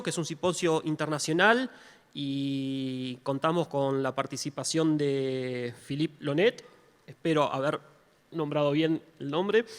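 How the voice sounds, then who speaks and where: A man moderating a conference session, introducing a speaker courteously and formally, with frequent restarts. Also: fairly high pitch. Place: conference hall. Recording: long reverb of a large hall.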